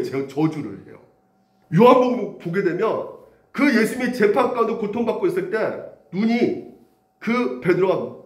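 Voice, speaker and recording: Man, pastor, sermon, animated, swooping pitch, echoey church. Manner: animated, acts out quotes and asks the congregation questions. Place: church sanctuary.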